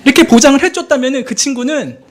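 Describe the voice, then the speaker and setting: A man's voice: very high voice, quick pace. A man serving as assistant pastor, preaching a Sunday sermon and acting out prayers and conversations as he goes. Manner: animated, acts out quoted prayers and dialogue.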